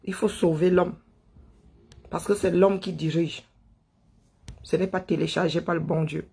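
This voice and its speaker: Unhurried and fairly even in intonation, this Cameroonian man's voice sits on the high side, gravelly and slightly mellow with a breathy edge. As an online political commentator, he gives a passionate monologue of emphatic repetition and rhetorical questions.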